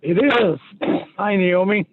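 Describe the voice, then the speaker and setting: A man's voice: high-pitched, slow, dry recording. A man joining a meeting from a moving car, brief and plain-spoken, chuckling now and then. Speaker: meeting participant. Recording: tinny phone-like line from a car.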